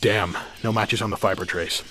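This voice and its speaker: An actor playing a stern, grim masked vigilante, terse and controlled, in an audio drama. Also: male voice, fairly low pitch, steady tone, moderate pace, pushed and bright, faint music behind.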